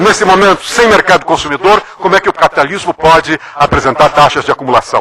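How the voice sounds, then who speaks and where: Here a man talks at a very fast pace with hardly any pauses, his pitch high with ordinary variation. The sound is dry and close with no echo, and his loudness stays very even. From Brazil. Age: 60s. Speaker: law professor. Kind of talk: conference talk. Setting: conference hall with audience.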